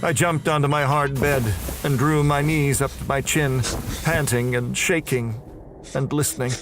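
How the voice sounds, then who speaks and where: A man playing a frightened prison inmate, giving a grim, deliberate first-person horror narration. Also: medium pitch, fairly even intonation, noisy background, lightly acted. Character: terrified, bewildered male prison inmate recounting horror. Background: music.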